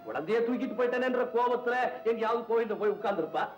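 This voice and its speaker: An actor playing a village father in an old film drama, talking in a blunt, rough way. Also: very high-pitched, expressive, rapid-fire, lo-fi sound. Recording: echoey old film soundtrack.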